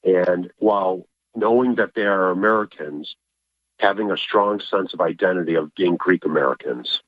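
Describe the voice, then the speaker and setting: A man's voice: deep voice, moderate pace, no room sound. Man, restaurant owner, sincere reflective tone, thin phone line. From Chicago. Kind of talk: interview.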